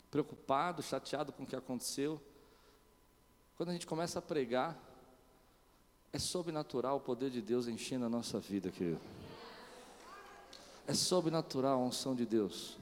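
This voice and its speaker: A man preaching a sermon as pastor, moving from quiet storytelling to loud, shouted preaching. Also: medium pitch, in a large hall. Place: church.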